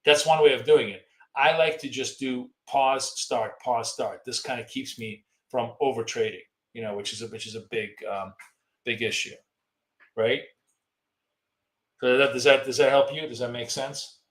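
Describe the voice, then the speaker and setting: A hoarse man talks through a live trading stream in a casual, rambling way, stopping to answer viewer questions. His voice sits at an ordinary middle pitch, and the room around him rings with a noticeable echo. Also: steady tone, normal speed, a bit bright. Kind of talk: live-stream market commentary.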